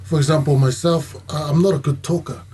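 A man's voice: fairly high pitch, fairly even intonation, fairly quick, mellow, a little hiss or hum. A man, a professional wrestler and guest chatting casually, laughing easily and restarting phrases as he goes. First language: Tongan. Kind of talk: casual podcast chat.

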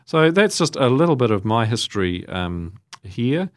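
A middle-aged New Zealand man, a Catholic priest, talking chattily and with self-deprecating humour before leading prayers in a measured voice. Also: medium pitch, sing-song, no room sound, studio quality. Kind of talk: homily and prayers of the faithful.

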